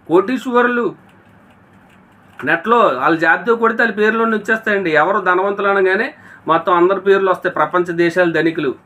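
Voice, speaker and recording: A man's voice: sits high, pushed and bright. A man preaching a sermon, often asking his listeners rhetorical questions and speaking to them directly. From India.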